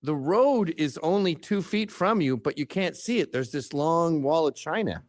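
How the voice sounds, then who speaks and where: A man's voice: a little high, animated, normal speed, no echo, clean studio sound. A man in his fifties, a guest on a casual livestream chat, who tells rambling, joking stories and swears freely. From Canada. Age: 50s. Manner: profane, rambling, joking storyteller. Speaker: podcast guest.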